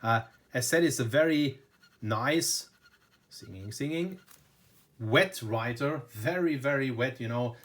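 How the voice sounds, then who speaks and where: A man's voice: mid-range voice, slow pace, a bit bright. A man whose first language is German, speaking English with a German accent and casually reviewing a fountain pen at his desk, full of "very, very" and "you know". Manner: enthusiastic, repeats "very, very" and "you know". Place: indoors at a desk.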